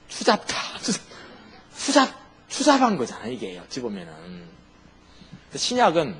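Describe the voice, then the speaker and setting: A man's voice: high-pitched, husky. A man preaching a sermon as a pastor, asking the congregation questions and answering them himself.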